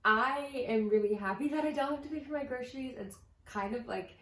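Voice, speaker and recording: A young woman vlogger talks casually to the camera about her budget, chatty and loaded with "like" fillers. Her voice is fairly high, quick, and a bit bright, in an echoey room with faint ambient noise.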